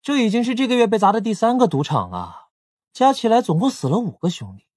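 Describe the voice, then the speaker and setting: A man playing a playful, chatty young gangland casino owner in an audiobook drama, with a whiny, animated manner. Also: sits high, fast, husky, dry recording, clean studio sound, exaggerated voice. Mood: complaining. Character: playful, chatty young male casino-owning crime boss's brother. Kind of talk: Mandarin audiobook drama acting.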